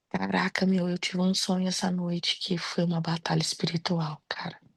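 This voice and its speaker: Quiet and somewhat breathy, a woman speaks with very even loudness and monotone, flat intonation, the sound dry and close with no echo. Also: fairly low pitch for a woman, moderate pace. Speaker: participant. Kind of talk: casual chat. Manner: speaking quietly.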